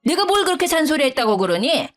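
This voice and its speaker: A woman's voice: sing-song, quick pace, soft background music. A woman voicing a domineering older mother-in-law who scolds and talks down to her daughter-in-law. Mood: scolding. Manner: scolding, shrill, condescending.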